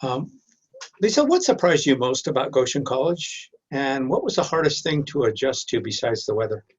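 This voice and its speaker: Husky man moderating on a dull recording. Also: mid-range voice, sing-song, moderate pace. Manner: brief, direct questions. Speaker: panel moderator. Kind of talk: moderating a panel. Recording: dull lo-fi sound.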